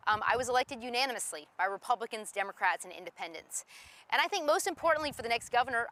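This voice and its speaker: A middle-aged woman from Maine speaking earnestly as a political candidate in an interview, often pausing with "um". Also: fairly high pitch, pushed and bright. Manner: earnest, frequent "um" fillers. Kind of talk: recorded campaign interview.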